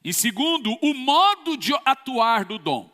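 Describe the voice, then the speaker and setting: High, forceful preaching man in reverb. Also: very animated, unhurried. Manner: emphatic, forceful preaching with sudden bursts. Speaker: pastor. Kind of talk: sermon. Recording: long church reverb.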